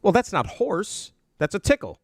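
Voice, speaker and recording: A man's voice: high-pitched, huge pitch swings, normal speed, husky, no room sound, studio quality. A man co-hosting a sports radio show, sarcastic and argumentative in his banter.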